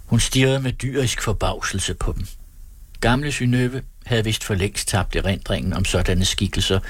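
Husky guy reading an old novel aloud, calm and unhurried, dry close sound. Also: lowish voice, no echo.

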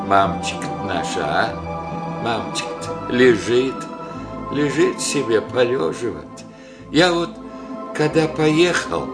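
An actor playing an old village widower, gentle and grieving, talking in folksy rural speech with sighs. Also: male voice, medium pitch, gravelly, roomy sound, exaggerated voice. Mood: tender. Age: older. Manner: folksy rural speech, slow and rambling, sighing. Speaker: elderly village father. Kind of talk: radio play acting.

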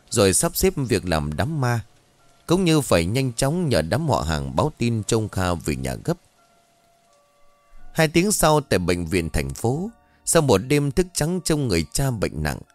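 A man narrating a scripted horror story in a dramatic, expressive storytelling manner. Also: medium pitch, no echo. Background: faint music.

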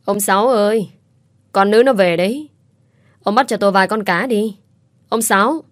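A woman voicing a fussy, loud old neighbor woman who scolds and dotes in the same breath, within an audiobook story. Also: on the low side, normal speed, no room sound, studio quality, close to an everyday voice. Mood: bossy, bustling. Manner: scolding yet affectionate, bossy.

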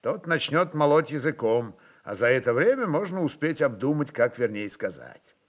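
A man narrating a literary story in an expressive, dramatic reading style. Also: medium pitch, moderate pace.

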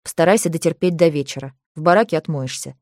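A woman voicing a caring young woman who gives quiet, gentle advice. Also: deep voice, quick pace, no echo, studio quality, lightly acted. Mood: tender. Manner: soft, quiet, advising.

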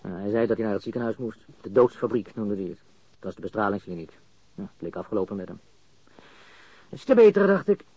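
An actor in a radio crime drama playing a nervous, bitter small-time crook who stammers and talks in slang while confessing under interrogation. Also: male voice, on the low side, lively intonation, fairly quick, pauses often, warm tone. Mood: exasperated. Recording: dull lo-fi studio radio recording.

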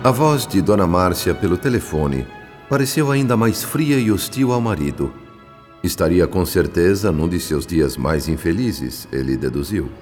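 An actor playing a solemn, literary narrator of a Brazilian radio drama, with a Brazilian accent. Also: male voice, deep voice, lively intonation, normal speed, a little mellow. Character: solemn male spirit narrator, literary and judgmental. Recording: long reverb, faint music behind.

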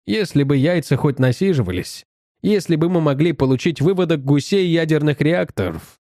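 A man reading a story aloud in the first person, in an animated, expressive manner. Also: fairly high pitch, moderate pace, dry recording, studio quality. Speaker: audiobook reader.

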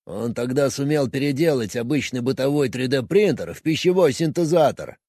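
A man voicing a big, bluff, good-natured Russian engineer who talks loud and teases, in a husky voice. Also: medium pitch, expressive, normal speed, dry recording, studio quality, lightly acted. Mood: hearty. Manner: loud jovial teasing.

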